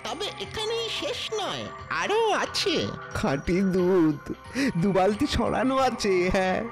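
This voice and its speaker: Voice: medium pitch, wildly swooping pitch, unhurried, music in the background. An actor voicing a bumbling, servile male henchman in a cartoon, whiny in tone. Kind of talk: cartoon voice acting.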